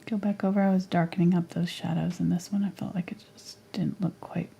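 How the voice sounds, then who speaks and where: Husky, half-whispering woman losing her voice. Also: fairly low pitch, level tone. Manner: soft, half-whispered, unhurried chatter while painting. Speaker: painting instructor. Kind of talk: live painting tutorial chat.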